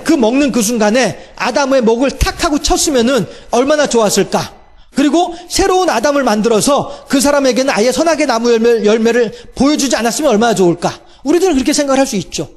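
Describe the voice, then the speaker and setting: Male pastor, very high voice, sermon delivery, rhetorical questions, slows and softens for quoted lines. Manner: rhetorical questions, voices God's quoted words softly and slowly.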